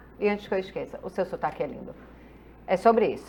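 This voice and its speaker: This woman speaks with a northeastern Brazilian accent. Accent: noticeable Northeastern Brazilian. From Northeast Brazil, Recife. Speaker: businesswoman. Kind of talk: talk show interview.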